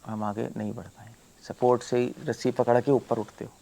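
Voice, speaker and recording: A man's voice: medium pitch, flat delivery, moderate pace, gravelly, mellow. A man speaking as a monk, giving a devotional lecture to followers; emphatic, full of rhetorical questions, often mixing English words into his talk.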